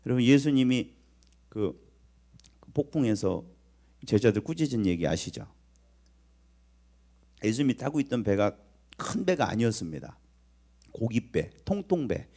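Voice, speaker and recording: A man preaching a Sunday sermon as pastor, his voice rising and falling in wide, animated swings. He tells the story with acted-out lines and keeps turning to the congregation with questions. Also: mid-range voice, unhurried, long pauses. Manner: talks directly to the congregation, asking questions.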